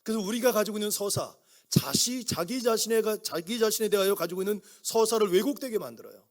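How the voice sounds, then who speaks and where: Middle-aged male pastor, high-pitched, chatty sermon delivery, often asks the pews questions. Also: fast. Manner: conversational preaching with questions to the congregation. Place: church sanctuary.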